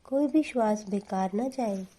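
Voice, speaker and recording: A woman giving guided meditation instructions in a calm, soothing, deliberate manner. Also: medium pitch.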